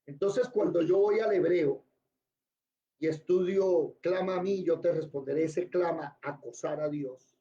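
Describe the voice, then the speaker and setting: High-voiced man teaching a Bible class. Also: unhurried, warm tone, roomy sound. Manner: spells out words letter by letter and quizzes students. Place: classroom with students. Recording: dull lo-fi recording.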